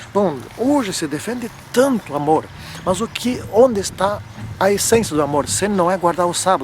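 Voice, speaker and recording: This man speaks at a moderate pace with a high pitch and lively intonation over noticeable background noise. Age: 60s. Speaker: Bible study teacher. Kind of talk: recorded Bible lesson commentary. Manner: conversational, frequent fillers.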